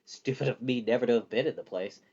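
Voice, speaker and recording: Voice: medium pitch, fast, dark tone, husky, muffled recording, pitched below the performer's own voice. A storyteller voicing a vain, sardonic young male wizard in a storybook, theatrical and mock-polite. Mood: delighted, breezy.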